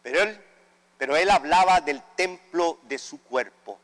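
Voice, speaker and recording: Male priest, fairly high voice, solemn measured reading, cathedral echo with a long tail. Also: a bit bright. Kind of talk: reading the Gospel at Mass. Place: large church.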